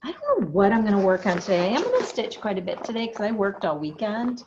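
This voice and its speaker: A woman's voice: medium pitch, very animated, fast. A middle-aged woman co-hosting a casual stitching chat, chatty and giggly. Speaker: flosstube co-host. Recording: dull lo-fi sound with faint noise.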